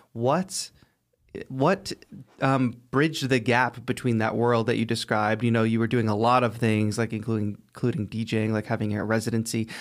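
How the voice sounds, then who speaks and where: Moderate pace and ordinary pitch variation from an ordinary speaking voice. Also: man, medium pitch for a man. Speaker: podcast and livestream host. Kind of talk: casual interview chat. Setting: online livestream.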